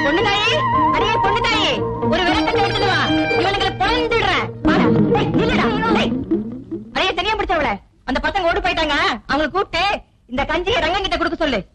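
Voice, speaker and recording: A cruel stepmother in an old village film drama, scolding in a shrill, bullying way. Her voice sits very high. A loud film score plays behind her. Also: a little fast. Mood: wailing, angry. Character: harsh, scolding village stepmother, middle-aged. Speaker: film actress. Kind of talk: 1980s Tamil film acting. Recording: film soundtrack with loud music.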